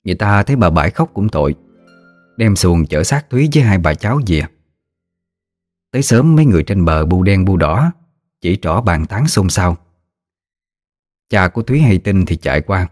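A man narrating a ghost story in a steady, somber storytelling manner. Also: sits low, moderate pace, pauses often, soft background music.

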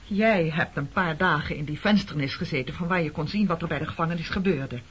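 An actress in a Dutch radio play playing a bitter, defiant middle-aged woman who speaks reproachfully with a sharp tongue. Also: low-pitched, fairly quick, breathy edge. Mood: defensive. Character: bitter, defiant woman confronting an old comrade. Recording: dull, muffled radio play recording.

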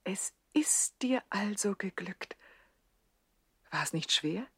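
An actress playing a haughty, coquettish young widowed princess in a 1960s German radio play, imperious and teasing in a theatrical way. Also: female voice, medium pitch, lively intonation, takes it slowly, a bit bright, breathy edge, dry recording, exaggerated voice. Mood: surprised, teasing.

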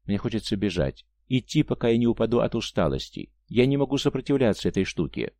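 A man's voice: fairly low pitch, very animated, quick pace, no echo, studio quality. A man voicing a desperate young man tormented by a voice in his head, crying out in anguish, as an audiobook character. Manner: anguished shouting.

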